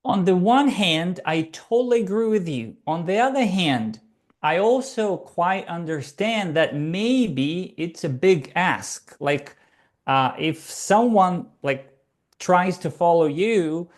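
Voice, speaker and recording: A man with a fairly high voice speaks slowly and with care. He weighs each idea and sometimes repeats a sound or reaches for a filler. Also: lively intonation. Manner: measured, reflective, with occasional light stutters and fillers. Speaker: guest, stuttering coach. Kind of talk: conversational interview.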